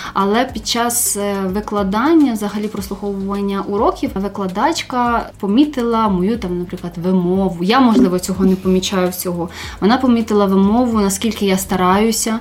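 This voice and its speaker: Noticeable background noise behind speech at a moderate pace with ordinary pitch variation. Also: woman, medium pitch for a woman. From Vinnytsia region, Ukraine. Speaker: hospitality trainee. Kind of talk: interview.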